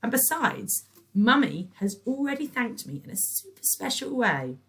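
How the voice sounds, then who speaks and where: A woman's voice: a little high, very animated, moderate pace, fairly bright tone, voice pushed up. A woman voicing a sickly sweet, scheming middle-aged neighbour in a storybook, trilling and gushing with pet names. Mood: gloating. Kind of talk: storybook reading.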